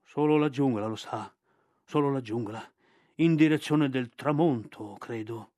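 A man voicing a heavy, kindly old male bear with a low, gruff, soft-spoken voice. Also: a little slow, no echo, lightly acted. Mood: uncertain.

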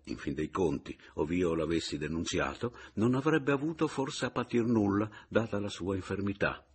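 A man reading a literary novel aloud in a measured, reflective storytelling manner. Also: fairly low pitch, slightly rough. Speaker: audiobook reader. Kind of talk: literary audiobook narration.

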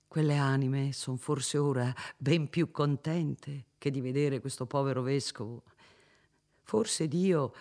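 A man voicing a gentle, compassionate old cardinal, speaking in a solemn, fervent tone in a storybook reading. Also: mid-range voice, lightly acted.

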